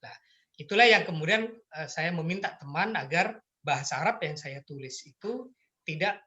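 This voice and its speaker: A man's voice: on the high side, animated, moderate pace, pushed and bright. A middle-aged man from Madura, a lecturer speaking earnestly in casual conversation and chuckling at himself now and then. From Madura, Indonesia. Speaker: Arabic lecturer, app creator.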